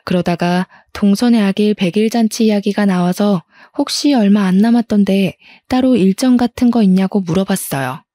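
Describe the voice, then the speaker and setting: Female narrator for a scripted first-person story; steady, even telling, mellow voice, dry recording. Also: medium pitch, normal speed, few pauses, dry recording.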